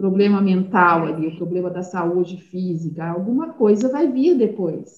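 A woman with a normal speaking voice talks at a fairly slow pace and a medium pitch, using ordinary pitch variation and hardly any pauses. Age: 50s. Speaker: family constellation therapist. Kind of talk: casual interview chat.

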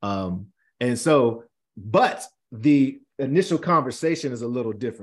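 An ordinary speaking voice from a man with an American accent, medium in pitch, with lively intonation at a moderate pace against a quiet background. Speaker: real estate investor and podcast host. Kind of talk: casual conversational coaching.

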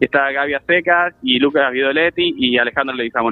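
In a normal speaking voice, a man talks at a moderate pace with fairly high pitch and ordinary pitch variation. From Argentina, San Lorenzo (Santa Fe). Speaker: stage actor and theatre teacher. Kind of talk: interview. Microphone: choppy connection.

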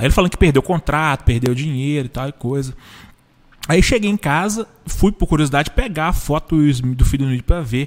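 Against noticeable background noise, a man with a fairly high pitch speaks at a fairly quick pace with ordinary pitch variation. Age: 30s. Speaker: journalist. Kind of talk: casual chat.

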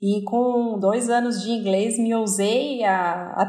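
The delivery is monotone, with flat intonation. Room echo is audible, along with noticeable background noise. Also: woman. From Brazil, São Paulo (Zona Norte). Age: 30s. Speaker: security company director. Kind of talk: podcast interview.

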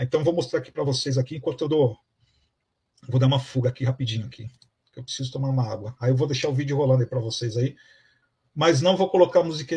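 Very fast speech from a man at medium pitch, somewhat breathy with a dark, mellow tone, ordinary pitch variation, and long, frequent pauses. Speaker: YouTube live streamer. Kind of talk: live stream monologue. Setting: home live stream with microphone. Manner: casual, with many fillers.

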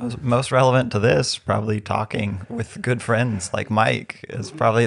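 Noticeable background noise surrounds a man talking with ordinary pitch variation. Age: 20s. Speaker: podcast co-host. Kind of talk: casual chat.

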